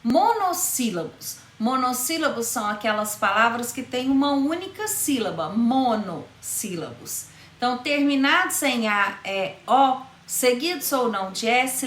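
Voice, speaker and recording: A woman's voice: fairly high pitch, a bit bright, reverberant, a little hiss or hum. A woman teaching a grammar lesson, spelling out rules and stretching the key words as she says them.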